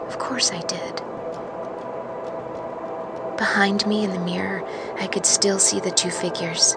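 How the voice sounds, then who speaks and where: A woman playing a weary, haunted truck driver, musing in a hushed, halting monologue for a fiction podcast. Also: on the low side. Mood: anguished. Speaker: narrator of serial fiction podcast. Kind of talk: dramatic first-person audio fiction monologue.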